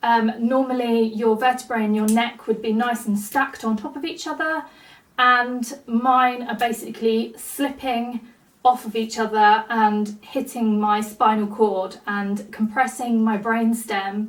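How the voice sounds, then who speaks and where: Here a woman with an ordinary speaking voice talks at a fairly slow pace. Her pitch is fairly high and her intonation fairly even. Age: 20s. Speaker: vlogger with chronic illness. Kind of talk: personal video diary.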